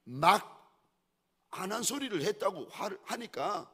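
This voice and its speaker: A man preaching a sermon as a pastor, swinging between hushed pleading and loud exhortation, with repeated rhetorical questions to the congregation. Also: high-pitched, animated, measured pace, husky.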